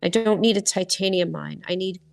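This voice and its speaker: A woman's voice: on the low side, a little fast, gravelly. A woman from the US chatting casually while playing a board game online, often restarting her sentences. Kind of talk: casual chat while gaming.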